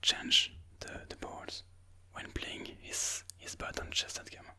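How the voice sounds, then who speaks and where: The ASMR host's whisper is breathy, unvoiced and sharp in tone as they comment on a chess game, explaining the moves slowly and deliberately.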